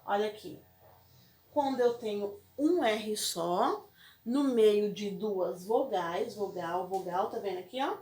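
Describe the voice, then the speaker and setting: Brazilian woman, primary teacher, slow patient delivery, echoey room. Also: mid-range voice, darkish tone. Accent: Brazilian Portuguese. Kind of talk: recorded classroom lesson.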